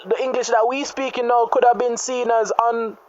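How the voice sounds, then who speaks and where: A woman with a Jamaican accent hosts a podcast, talking casually and frankly in Jamaican English with patois phrases mixed in. Her voice is a little high and a little mellow, with fairly even intonation at a moderate pace. The sound is dull and lo-fi, with background noise.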